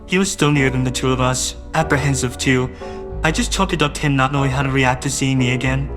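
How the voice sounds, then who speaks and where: A man's voice: mid-range voice, steady tone, quick pace, over music. A man narrating a first-person audio drama in a wistful, doting way that grows uneasy.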